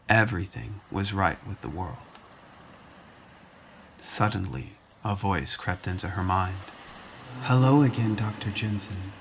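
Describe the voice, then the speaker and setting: Low-voiced man narrating a story. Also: bright, forceful tone, slight background noise. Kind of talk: scripted fan fiction narration.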